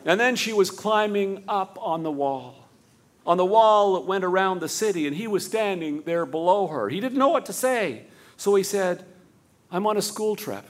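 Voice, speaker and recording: A man telling a story on stage as the show's host, stacking long run-on sentences and slowing to a hush for the tender moments. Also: high voice, expressive, some chatter behind. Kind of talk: live storytelling narration.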